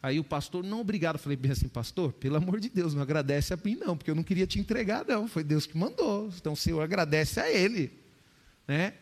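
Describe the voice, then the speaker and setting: A man preaching a sermon, with a voice pitched a little high for a man. He tells a story to his congregation, keeps calling them dear ones, and climbs to loud, lifted peaks of emphasis. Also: sing-song, quick pace. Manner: storytelling, addresses the listeners as "dear ones" again and again. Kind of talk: sermon testimony.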